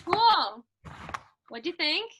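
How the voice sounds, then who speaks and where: Woman as a high-voiced insecure young playwright. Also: big pitch swings, very slow, a bit bright, slight background noise, exaggerated voice. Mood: timidly hopeful. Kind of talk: staged reading of comedy sketch.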